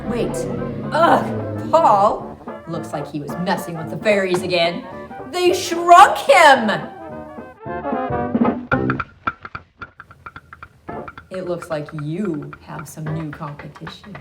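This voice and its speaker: A woman playing an earnest, excitable Red Riding Hood, announcing a fairy tale fashion show in a theatrical skit style. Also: lowish voice, slow, heavily acted. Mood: excited. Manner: theatrical, animated. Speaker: co-host. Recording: roomy echo, music behind.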